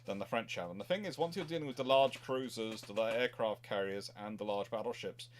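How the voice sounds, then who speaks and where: A man's voice: fairly low pitch, fairly quick, a little hiss or hum. Rambling man chatting about history. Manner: rambling, digressive, self-interrupting. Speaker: host, naval historian. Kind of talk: casual history chat.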